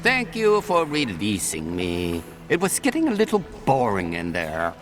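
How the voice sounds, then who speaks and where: A man's voice: fairly low pitch, wildly swooping pitch, measured pace, music in the background. An actor playing an eccentric, cheerful old male jeweler in a video game, stammering and chuckling as he talks. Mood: chuckling, eager. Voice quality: giggly, stammering, fussy.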